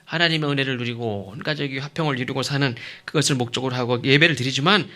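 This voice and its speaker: A man's voice: mid-range voice, bright, forceful tone. A man preaching a sermon as pastor, stressing points with rhetorical questions and checking in with the listeners. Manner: emphatic, asks rhetorical questions; checks in with the congregation.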